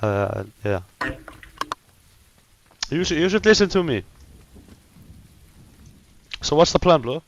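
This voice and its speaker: A man's voice: on the high side, very animated, slow, pauses often, muffled recording, slight background noise. A man from Iceland streaming a shooter game, chatting casually with a teammate and playing dumb as a joke. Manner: joking, playing dumb, self-assured banter. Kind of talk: casual gaming chat.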